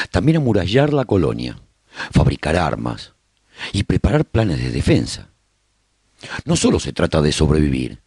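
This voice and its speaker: A man narrating a radio drama as an earnest, resolute survivor chronicling his colony in a solemn, deliberate way. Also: low voice, darkish tone, husky, dry recording, studio quality, full character voice. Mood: measured, earnest.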